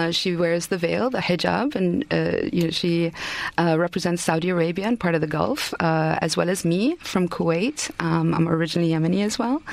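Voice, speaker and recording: Against noticeable background noise, a woman with fairly low pitch speaks at a moderate pace, with ordinary pitch variation and very even loudness. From Yemen. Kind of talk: radio interview, conversational.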